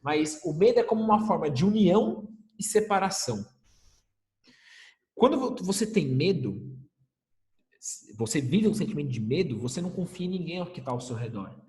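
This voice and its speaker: A man's voice: a little high, expressive, moderate pace, pauses often, darkish tone. Male teacher, recorded lecture; emphatic, rhetorical, repeats points; roomy echo. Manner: emphatic, rhetorical questions and repetition. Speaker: history teacher. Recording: echoey room with long reverb.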